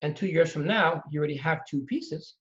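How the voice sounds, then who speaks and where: A middle-aged man from Trinidad and Tobago tells his story with lively emphasis. His voice sits a little high for a man. The audio is dull and lo-fi, as if the top end is gone. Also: a little fast. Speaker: real estate investor guest. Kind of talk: storytelling in conversation.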